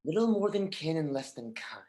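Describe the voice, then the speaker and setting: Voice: medium pitch, sing-song, normal speed, darkish tone, close to an everyday voice. An actor playing a grieving, bitter young prince in a livestreamed Shakespeare reading, with brooding, emphatic verse delivery. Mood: sardonic.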